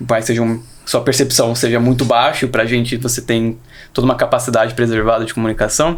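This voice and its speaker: Talking at a very fast pace, a man keeps a medium pitch in a monotone, flat intonation. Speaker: podcast co-host explaining personality test results. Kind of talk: casual podcast conversation.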